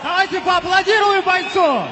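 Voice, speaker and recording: Man, boxing ring announcer, high projected voice, formal drawn-out delivery, long hall reverb. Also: crowd noise. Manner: formal, projecting, stretches out names and phrases. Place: large indoor fight venue, over a PA. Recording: echoey hall reverb, loud background noise.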